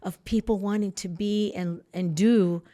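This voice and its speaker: A woman's voice: mid-range voice, steady tone, unhurried, dark tone. A woman whose first language is Spanish, answering earnestly as an interview guest in rambling, often broken-off sentences. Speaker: interview guest, political candidate.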